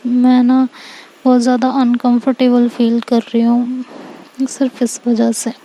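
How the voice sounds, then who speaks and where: A shy young woman picks her words slowly, with halting pauses, as a woman acts her out. The voice is fairly high and level, soft and mellow. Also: completely flat delivery, close to an everyday voice, low-quality recording. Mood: hesitant. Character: shy, hesitant young woman, gently explaining.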